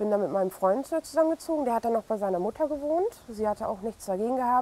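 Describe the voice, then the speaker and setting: A woman speaks with ordinary pitch variation. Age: 20s. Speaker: young mother interviewee. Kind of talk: interview testimony. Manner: hesitant, many fillers.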